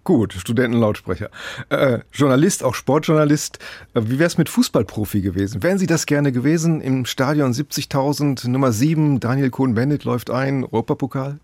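Male radio host, mid-pitched voice, clear questions, dry studio sound. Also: brisk, darkish tone, dry recording. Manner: articulate, probing questions. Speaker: radio interviewer. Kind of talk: radio interview hosting.

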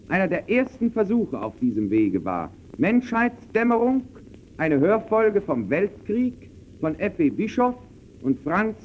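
An earnest radio lecturer speaks formally and emphatically. His fairly high voice moves in lively swings, in a dull, faintly hissy 1920s broadcast recording. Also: full character voice. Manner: formal, emphatic, crisply declamatory. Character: earnest male radio pioneer lecturing sceptical guests. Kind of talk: scripted 1920s German radio presentation.

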